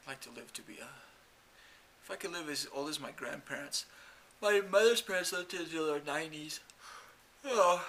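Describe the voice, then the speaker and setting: A man speaks in a high pitch at a moderate pace with ordinary pitch variation. His loudness swings widely, and he takes long, frequent pauses. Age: 60s. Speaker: vlogger. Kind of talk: casual monologue vlog. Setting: indoors then on porch. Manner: rambling, halting.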